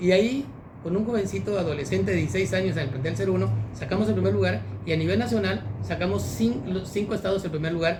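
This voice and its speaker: A man talks at a very fast pace and a fairly high pitch, with very wide pitch swings. Room echo is audible, along with noticeable background noise. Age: 60s. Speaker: teacher and foundation founder. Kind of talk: interview. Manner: hesitant, many fillers.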